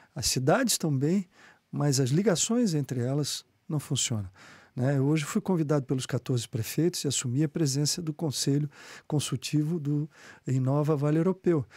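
Somewhat breathy and dark, mellow in tone, a man speaks at a fairly high pitch. The sound is dry with no echo, and the background is quiet. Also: ordinary pitch variation, moderate pace. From Blumenau, Santa Catarina, Brazil; Santa Catarina, Brazil. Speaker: politician. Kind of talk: interview. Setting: radio studio. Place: studio. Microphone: studio mic.

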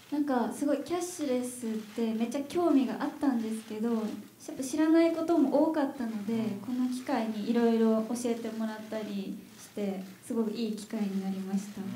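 A woman's voice with ordinary pitch variation, audible room echo and light background noise. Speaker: actress. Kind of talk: press conference answers. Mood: shy, soft, smiling. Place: hall. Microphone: handheld.

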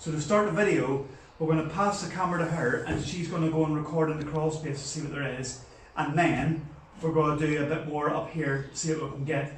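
With fairly even intonation and a fairly quick pace, a man is heard through audible room echo and light background noise. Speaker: paranormal explorer host. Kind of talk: casual vlog chat. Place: empty room. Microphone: camera far.

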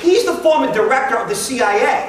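With light background noise and audible room echo, a man speaks in an American accent. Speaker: keynote speaker on identity theft and personal security. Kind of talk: keynote talk about security. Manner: direct, to-the-point, straight-talking. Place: hall.

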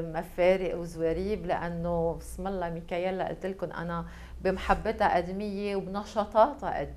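A woman with a Lebanese accent speaks at a fairly slow pace with hardly any pauses. Her voice has vocal fry and fairly even intonation. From Lebanon. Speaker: TV presenter; TV host. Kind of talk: talk show. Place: studio.

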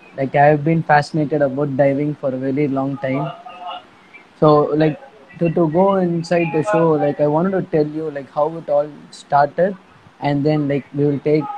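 With long, frequent pauses and fairly even intonation, this man keeps a moderate pace while noticeable background noise runs underneath. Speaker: show host. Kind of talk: interview introduction. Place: home room. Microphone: earbuds.

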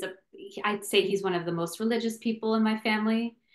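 A woman with an American accent, very fast and monotone with flat intonation, in a quiet background with audible room echo. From US Northeast. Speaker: performance artist; guest. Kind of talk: interview. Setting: video call. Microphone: video call.

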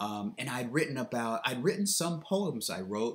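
The voice belongs to a man. He keeps a moderate tempo, and his pitch moves in an ordinary way. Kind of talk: casual vlog chat. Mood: relaxed, reminiscing, laughs. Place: home room. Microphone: webcam.

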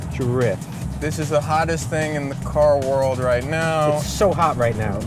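Fairly slow speech with ordinary pitch variation, dry sound with no echo, and music in the background. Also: man. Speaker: car reviewer. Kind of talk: excited driving commentary. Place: car. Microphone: camera far.

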